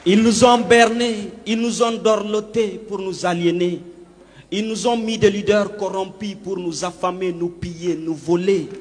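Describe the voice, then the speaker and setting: High-voiced man declaiming slam poetry. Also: fairly even intonation, measured pace. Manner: rhythmic, declamatory delivery. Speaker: slam poet. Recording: long hall reverb with music underneath.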